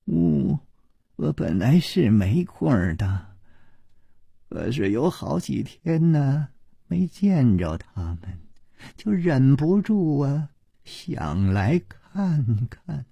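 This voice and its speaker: A man's voice: medium pitch, sing-song, slow pace, creaky, dark tone, breathy edge, no room sound, pitched above the performer's own voice, full character voice. A man voicing a fretful white-haired old servant woman, breathless and fussing. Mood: flustered.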